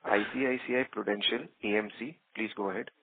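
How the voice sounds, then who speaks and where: A man's voice: lowish voice, fairly even intonation, fast. A man working as a conference call operator, reading scripted moderation announcements. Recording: phone-like line, clearly noisy.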